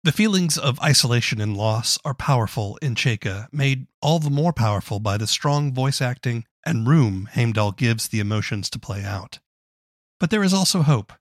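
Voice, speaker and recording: A man's voice: mid-range voice, no echo, studio quality. A man hosting a podcast, asking questions and reading scripted narration. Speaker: podcast host.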